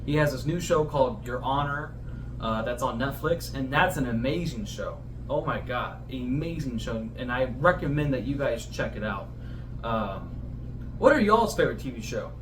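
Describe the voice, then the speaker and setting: A young man in his twenties speaks at a middling pitch in a loose, rambling podcast style. He sounds informal and somewhat hesitant, feeling his way through his thoughts. The recording is distant from the mic, with clearly audible room noise behind him. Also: lively intonation, normal speed. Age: 20s. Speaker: podcast host. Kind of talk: casual solo podcast chat about favourite shows.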